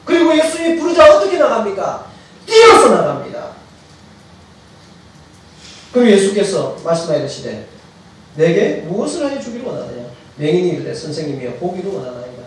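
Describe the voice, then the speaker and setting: A man preaches to his congregation with a lively, swooping delivery, firing questions at them and pushing up into shouts. He sounds distant from the microphone. A long, heavy echo fills the church hall around him. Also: sits high, fairly quick, long pauses, a little hiss or hum. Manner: animated preaching, quizzes the congregation, rises to shouts. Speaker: pastor. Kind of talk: sermon. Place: church sanctuary. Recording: very echoey church hall, mic far off.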